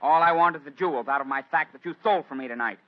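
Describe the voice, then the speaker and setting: An actor playing a threatening jewel thief in an old radio play, on a dull lo-fi recording. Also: male voice, on the high side, very fast, natural voice. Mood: menacing. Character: menacing male jewel thief, crook gang leader. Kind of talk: 1940s radio acting.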